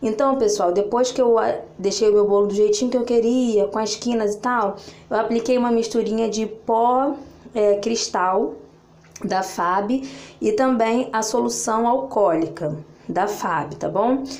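A woman with a fairly high pitch talks at a fairly slow pace, using ordinary pitch variation. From Brazil. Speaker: cake decorator vlogger. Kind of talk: tutorial. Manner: chatty, informal. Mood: cheerful, grateful. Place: kitchen. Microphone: recording on husband's phone; phone near.

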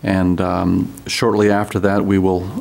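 Light background noise sits behind a man whose very deep, low voice holds monotone, flat intonation. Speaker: school superintendent. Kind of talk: public meeting report. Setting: school committee meeting room. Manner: hesitant, many fillers. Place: meeting room. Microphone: podium.

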